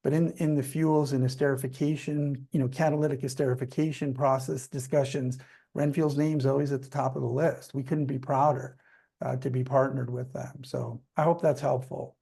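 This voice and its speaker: A male executive with a medium-pitched voice answers questions on an earnings call. He speaks off the cuff and emphatically, repeating phrases to drive points home and often checking that listeners agree. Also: little pitch movement, normal speed, creaky, warm tone, husky. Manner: emphatic, repetitive, seeks agreement. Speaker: company executive.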